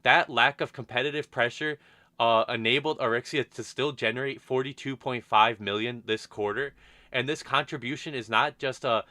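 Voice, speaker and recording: A man's voice: mid-range voice, moderate pace, pushed and bright, no room sound. A man hosting an investment channel, talking through a company's quarterly results in an unscripted, thoughtful way with frequent restarts and fillers. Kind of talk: unscripted stock analysis monologue.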